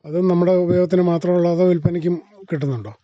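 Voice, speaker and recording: A man's voice: high-pitched, steady tone, rapid-fire, no room sound. A man, asking questions as a radio interviewer. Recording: dull, muffled radio recording.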